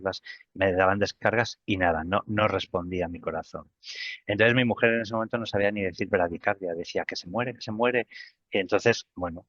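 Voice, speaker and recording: A man's voice: fairly low pitch, fairly bright tone, dry recording, lo-fi sound. A middle-aged man with a Spain Spanish accent, retelling a personal experience as an interview guest and acting out the remembered dialogue.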